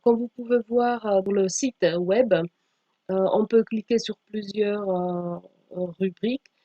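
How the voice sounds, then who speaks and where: A woman giving a slide presentation as a teacher trainer, speaking haltingly with frequent pauses and sometimes reading aloud. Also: medium pitch, fairly even intonation. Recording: dull, echoey room sound.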